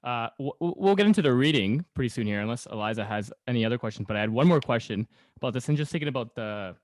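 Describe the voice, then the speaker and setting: A man's voice: mid-range voice, animated, quick pace, no room sound. A man hosting a casual interview, rambling a little as he searches for words. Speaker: podcast host.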